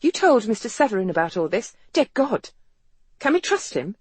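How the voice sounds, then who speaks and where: A narrator voicing a sardonic young woman doctor, lifting the pitch and speaking briskly. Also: sing-song, slightly rough, no room sound, exaggerated voice.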